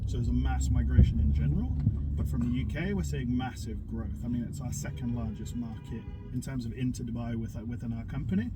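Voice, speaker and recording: A man's voice: mid-range voice, brisk. A Dublin-born man, a business consultant talking casually and with strong opinions as a taxi passenger. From Ireland, raised in London. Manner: chatty, opinionated, animated. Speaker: free zone business consultant. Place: inside a moving car. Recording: loud road and engine noise. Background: car engine and road noise.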